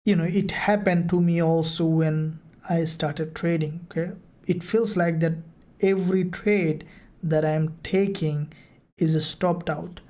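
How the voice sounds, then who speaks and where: A woman hosting a casual live stream as a mentor, answering viewer questions in halting, repetitive phrasing. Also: on the low side, steady tone, dark tone.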